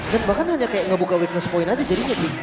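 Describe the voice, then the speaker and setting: A man's voice: high voice, lively intonation, very fast. A man with an Indonesian accent giving analytical live commentary as co-caster of an esports match. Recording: loud music under the commentary.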